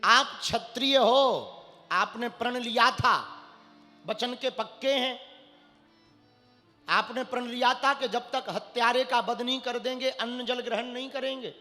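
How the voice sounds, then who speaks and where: A man preaching in an echoing hall, voicing a calm, commanding god who directs a warrior with firm words. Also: a little slow, full character voice. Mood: reasoning. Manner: firm, commanding, high and animated. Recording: echoey hall with faint music.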